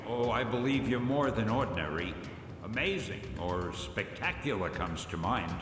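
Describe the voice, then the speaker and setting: A genial, folksy older politician in a video game. His delivery is hearty and animated. The hall echoes, with music behind. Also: lowish voice, normal speed. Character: genial older male state senator, folksy and grateful. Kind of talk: video game cutscene acting.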